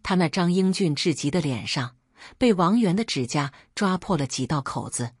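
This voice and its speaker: A woman narrating a first-person story in a steady, measured reading. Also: on the low side, slightly rough, no room sound, clean studio sound.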